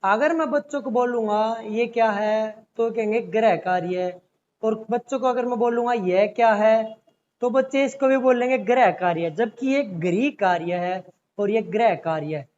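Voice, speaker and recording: A man's voice: very high-pitched, moderate pace, darkish tone, dull audio, a little hiss or hum. A man teaching an exam-prep language class, explaining step by step and repeatedly calling his students "beta".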